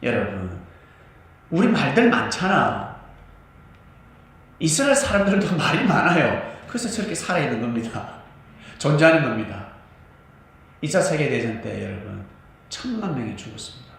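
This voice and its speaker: A man preaching a sermon as a pastor, animated and scolding at times, recorded in a church. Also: medium pitch, moderate pace, creaky, long pauses. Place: church sanctuary. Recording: echoey church hall, mic at a distance.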